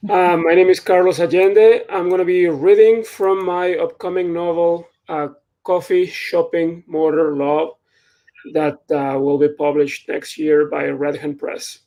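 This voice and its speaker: A young man with a strong Mexican accent reads aloud from his novel over a webcam in a room lined with books. He reads slowly and deliberately, in a casual, self-deprecating manner. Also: a little high, level tone, mellow, poor audio. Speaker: author reading his novel. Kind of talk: reading fiction aloud. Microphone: video call webcam.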